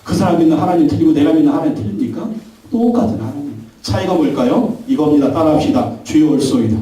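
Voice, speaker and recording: Pastor, male, high-pitched and emphatic, preaching a sermon; recorded from afar in a booming church hall. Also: lively intonation, fast, mellow. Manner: emphatic preaching with call-and-response. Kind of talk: Sunday sermon. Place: large church sanctuary. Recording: very echoey church hall, mic at a distance.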